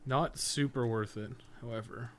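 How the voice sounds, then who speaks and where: A man streams a video game in an average-pitched voice, chatting casually with viewers. He swears and jokes as he plays, with clearly audible noise and game ambience behind him. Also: steady tone, normal speed. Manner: profane, joking. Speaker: live streamer, podcast co-host.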